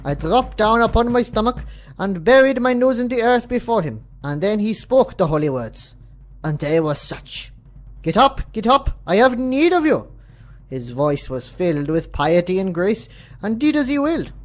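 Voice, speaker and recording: Performer as a reverent tribal chronicler, humble farmer witness, very animated pitch, archaic declamation, audio drama, music underneath. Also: moderate pace, natural voice. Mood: reverent, awed. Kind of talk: scripted scripture-like storytelling.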